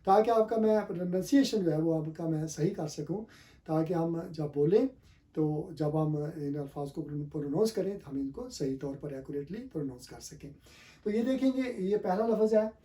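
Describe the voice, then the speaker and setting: A man's voice: fairly high pitch, normal speed, mellow. A man with an Urdu-speaking South Asian accent teaching English pronunciation in a classroom style, repeating and stressing the correct forms and spelling words out letter by letter.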